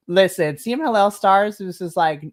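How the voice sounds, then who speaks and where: A woman's voice: mid-range voice, slow. A woman co-hosting a casual wrestling recap, chatty and enthusiastic, often breaking into giggles. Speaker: podcast co-host.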